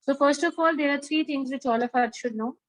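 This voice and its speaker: A woman's voice: sits high, fairly quick, dry recording. A woman with a South Asian accent teaching a biology class, repeating key points and prompting students with questions. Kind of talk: interactive lecture with questions to students.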